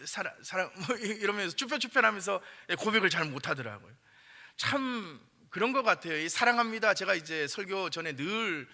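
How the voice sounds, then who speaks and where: A middle-aged man preaching a sermon in a chatty style with many fillers, growing louder and higher when he stresses a point. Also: long reverb tail. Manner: conversational, frequent fillers, rises in pitch and volume when emphasizing. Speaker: pastor.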